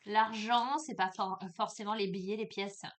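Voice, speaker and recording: A woman giving a casual oracle card reading, chatting with many fillers and laughs and slowing down when she reads the card texts aloud. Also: medium pitch, fairly even intonation. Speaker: tarot and oracle card reader.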